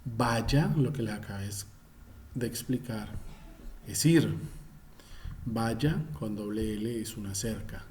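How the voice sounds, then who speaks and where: A man's voice: on the low side, slow, pauses often, a little mellow, slight background noise. A man teaching a Spanish class, explaining spelling rules emphatically and spelling words out letter by letter.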